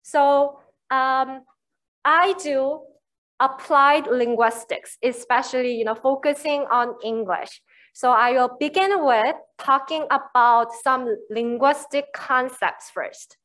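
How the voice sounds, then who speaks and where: Woman lecturer with a Korean accent, high voice, slow deliberate explaining pace. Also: a bit bright. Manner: slow, explanatory, frequent "you know" and "right". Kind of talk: university lecture.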